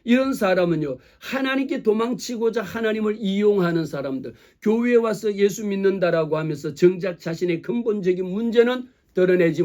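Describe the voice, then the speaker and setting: Male pastor, sermon. Lively preaching to the congregation, high and mellow voice. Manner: animated preaching, acts out quoted voices; speaks directly to the congregation with rhetorical questions.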